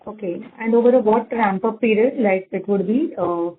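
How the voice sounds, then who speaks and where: A woman asking wordy, haltingly phrased questions as an analyst on an investor call. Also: mid-range voice. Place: conference phone call. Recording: thin phone line with faint noise.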